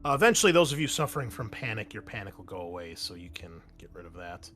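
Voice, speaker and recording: A man's voice: lowish voice, very animated, quick pace, pushed and bright, faint music behind. A man running a tabletop roleplaying game, explaining action and rules in a casual, profane way. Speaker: game master.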